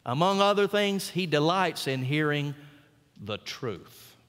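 A middle-aged man, a senior pastor, preaching a sermon with folksy stories and emphatic pauses on key words. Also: fairly high pitch, lively intonation, fairly bright tone, clear, resonant tone, big-room sound. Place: church sanctuary.

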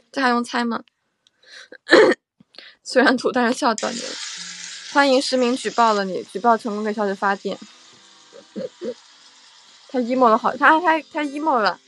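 A young woman chats casually on her livestream, playful and teasing, often saying things twice. Her voice sits a little high. Faint music plays behind her. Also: a bit bright. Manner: playful and teasing, repeats phrases. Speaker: livestream host. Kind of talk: casual livestream chat with viewers.

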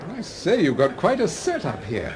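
An actor playing a suave, genial gentleman detective in a radio drama, speaking politely and with assurance in a British accent. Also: on the high side, wildly swooping pitch, moderate pace. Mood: genial, probing.

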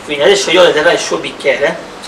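A man's voice: on the high side, fairly even intonation, fast, fairly bright tone. A young man in casual, playful banter, stammering and repeating his words. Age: young adult. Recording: echoey, distant mic, noisy background.

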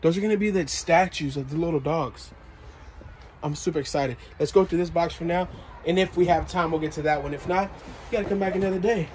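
A young man vlogging as he unpacks boxes in a cluttered storage room, playful and excitable, talking to his viewers on a handheld phone. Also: a little high, a little fast, slight background noise. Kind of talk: casual unboxing vlog. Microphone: handheld phone camera.

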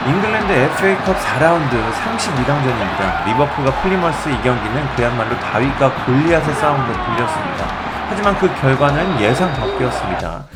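A man's voice: medium pitch, sing-song, quick pace, few pauses. A man presenting scripted sports news narration as the host of a video. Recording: loud music and stadium crowd behind. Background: loud music and crowd noise.

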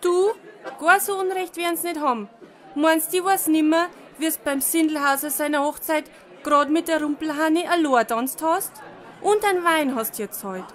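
High-pitched, suspicious Bavarian village girl, acted by a woman. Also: moderate pace, some chatter behind, lightly acted. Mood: jealous, accusing. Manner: accusing, sarcastic. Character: sharp-tongued, suspicious young village woman. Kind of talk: dialect audiobook drama.

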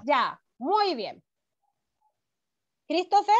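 Chilean teacher lady on a zoom class, high voice, slow and sweet, muffled lo-fi sound. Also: big pitch swings. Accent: Chilean Spanish. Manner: affectionate, encouraging, calls pupils "mi amor". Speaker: first-grade teacher. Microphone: video call. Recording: dull lo-fi video call audio.

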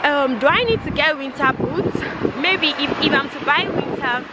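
A young woman with a Nigerian accent chatting casually to camera as she walks outside, filming at arm's length in an animated manner. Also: sits high, moderate pace. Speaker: vlogger. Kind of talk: casual vlog chat to camera. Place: outdoors on a grassy path by railway. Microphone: handheld camera at arm's length. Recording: outdoor noise, passing traffic ambience.

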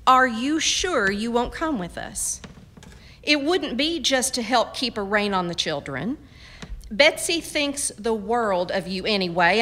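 An actress playing a firm, practical frontier mother in a radio drama, with a brisk, folksy, scolding manner. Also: on the high side, bright, forceful tone. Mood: busy, bossy.

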